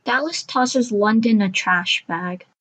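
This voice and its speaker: A woman's voice: a little high, slow pace, fairly bright tone. A woman reading scripted story narration for an audio drama.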